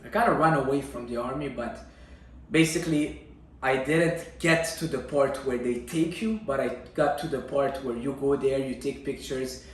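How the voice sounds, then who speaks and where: A man's voice: mid-range voice, moderate pace. A young man from Syria telling his own life story in an emphatic, conversational vlog style. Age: young adult. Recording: echoey room, distant mic, faint noise.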